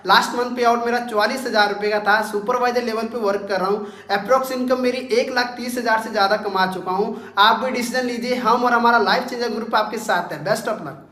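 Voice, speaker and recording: A 22-year-old man from Dehradun speaks with a bright, forceful tone in short, clipped statements. The room around him adds clear echo. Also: high voice. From Dehradun, Uttarakhand, India. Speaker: network marketing member. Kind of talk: testimonial self-introduction. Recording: echoey room.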